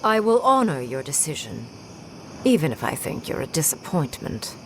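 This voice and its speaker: An actress playing a haughty, jaded archmage in a video game, speaking in an imperious, dryly disdainful way. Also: female voice, low-pitched, big pitch swings, moderate pace, slight background noise. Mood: haughty disappointment. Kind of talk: video game character acting.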